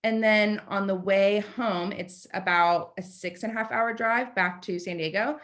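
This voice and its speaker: Woman, late twenties, podcast guest, casual storytelling, chatty, lots of fillers, mid-pitched. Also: fairly even intonation, unhurried, fairly bright tone. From United States. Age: 20s.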